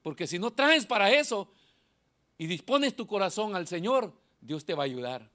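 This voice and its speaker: Middle-aged pastor guy, thin nasal voice, goes from yelling to quiet asides, preaching in a church. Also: high voice, moderate pace. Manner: animated, swings from shouting to quiet asides. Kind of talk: sermon. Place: church hall.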